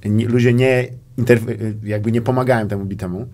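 A man's voice: lowish voice, fairly even intonation, fairly quick, darkish tone. A young man hosting a casual comedy podcast, telling rambling stories with crude jokes and bits of English. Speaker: podcast host.

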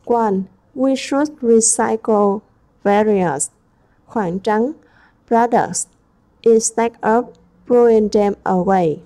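A woman teacher who speaks slowly and carefully, with a soft, mellow tone. She reads each word or sentence aloud, then gives its meaning, step by step through a workbook lesson. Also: on the high side. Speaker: English teacher. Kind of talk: textbook lesson walkthrough.

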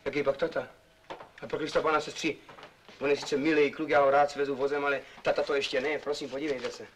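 A man's voice: medium pitch, little pitch movement, fairly bright tone, lightly acted. An actor playing a cheeky young male driver in a 1960s film comedy, talking in a breezy, joking way. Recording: old film soundtrack with hiss.

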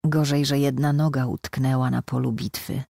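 A woman voicing a cheerful, proud young male soldier who is wounded, reading him in a storybook with a gravelly, husky voice and a joking, insistent manner. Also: rumbling low, flat delivery, normal speed, warm tone, no room sound, clean studio sound, exaggerated voice. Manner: joking, then earnest and insistent.

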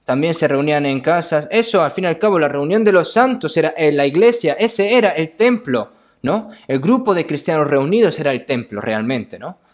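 Reading scripture as part of a sermon, this man speaks in a fairly high, expressive voice. He stops and starts, repeats himself, and frequently ends phrases with brief question tags.

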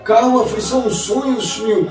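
Brief: male storyteller putting on a soothing wife's voice, higher, distant mic. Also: unhurried. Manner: soothing, reassuring. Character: patient wife, calming her husband. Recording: roomy, distant mic, faint music.

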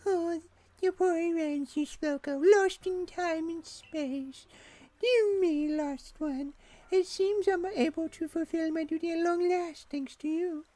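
A man's voice: very high-pitched, fairly even intonation, slow pace, mellow, dry recording, voice pushed up. A man voicing a mysterious old woman who keeps the old myths, speaking in a solemn, portentous way. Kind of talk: dubbing game dialogue aloud.

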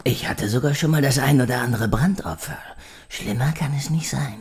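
An actor playing a polite cosmetic doctor in a horror audio drama, eager to reassure and slightly hesitant. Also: male voice, mid-range voice, normal speed, darkish tone, husky. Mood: reassuring.

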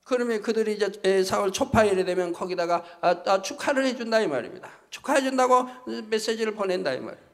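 Preaching fast with lively intonation, this pastor's voice sits high for a man. His emphatic sermon drives every point home through repeated tag phrases, and the sound carries a church sanctuary's long reverb.

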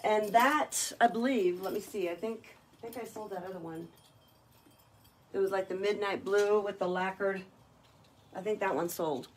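A woman hosts a live-stream jewelry sale, talking casually and gushing over the colors and styles of every piece. Her voice sits at an ordinary middle pitch. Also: normal speed, a little hiss or hum. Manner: chatty and gushing, praising each piece. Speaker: jewelry seller hosting a live online party. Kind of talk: live-stream sales chat.

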